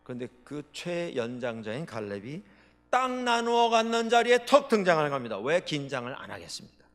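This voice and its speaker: A male pastor preaching a sermon, with dramatic swings between loud proclamations and quiet asides. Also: fairly high pitch, big pitch swings, a little fast. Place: church sanctuary. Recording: long reverb of a large hall.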